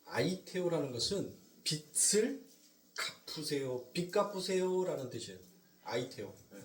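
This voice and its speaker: A male pastor with a Jeolla accent preaching a sermon, swinging from loud emphasis to near whispers and slowing down on key points. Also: on the high side, sing-song, reverberant, recorded from a distance. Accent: Jeolla Korean. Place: church sanctuary.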